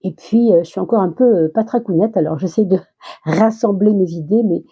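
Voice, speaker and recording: A woman giving a casual tarot reading to her viewers, chatty and reassuring with many little restarts, her words a bit slow while she gets over a minor illness. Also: mid-range voice, warm tone, breathy edge, highs cut off. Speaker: tarot reader.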